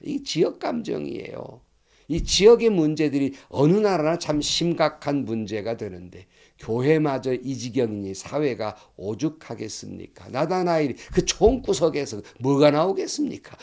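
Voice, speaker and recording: A man's voice: medium pitch, gravelly, a little mellow. A middle-aged man from Korea, a pastor preaching a sermon in an earnest storytelling manner, quoting dialogue aloud.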